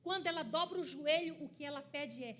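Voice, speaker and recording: High-voiced woman pastor telling a testimony. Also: brisk, a little hiss or hum. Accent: Brazilian Portuguese. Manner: animated storytelling, acting out quoted cries. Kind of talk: sermon testimony. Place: church service.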